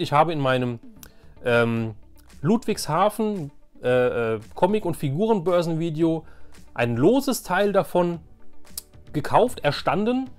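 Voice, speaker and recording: A man hosting a casual show-and-tell collecting vlog, enthusiastic and rambling, often repeating himself. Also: a little high. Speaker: host of a toy collecting channel.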